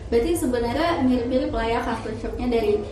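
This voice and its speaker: A woman's voice: fairly high pitch, quick pace. A young woman co-hosting a podcast, asking friendly questions in a casual interview. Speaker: podcast co-host. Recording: very echoey room with noise.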